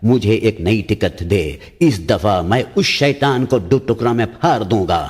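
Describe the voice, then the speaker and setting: A man voicing a naive, earnest old village man who speaks slowly. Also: on the low side, darkish tone, breathy edge. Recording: long hall reverb.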